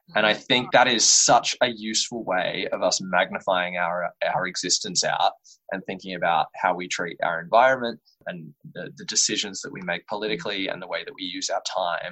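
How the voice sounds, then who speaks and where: Big swings in loudness at a moderate pace, with an Australian accent. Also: man. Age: 20s. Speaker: podcast guest. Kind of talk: casual chat. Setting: video call.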